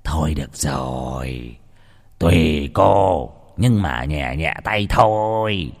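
Man playing a gruff old landlord, barking then soothing, echoey narration. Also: rumbling low, expressive, slow, pitched below the performer's own voice, full character voice. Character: wealthy old master, harsh, doting father.

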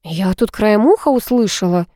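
A woman voicing a gentle, curious middle-aged mother who speaks hesitantly. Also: a little high, lively intonation, normal speed, no echo, studio quality, pitched above the performer's own voice, natural voice.

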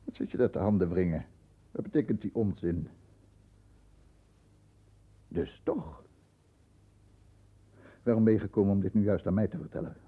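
An actor playing a stern, disdainful middle-aged lawyer who narrates his own thoughts in a measured way in a 1960s radio drama, heard on a muffled old recording. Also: fairly low pitch, breathy edge, no echo. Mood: tense, impatient. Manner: measured, introspective first-person narration.

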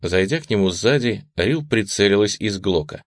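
Deep-voiced man narrating an audiobook. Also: lively intonation, moderate pace, no echo, clean studio sound.

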